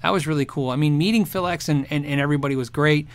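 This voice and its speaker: A man hosts a guitar show in a casual live chat, answering viewer questions while rambling, restarting sentences, and laughing often. His voice is fairly high, smooth, and very fast, with no echo.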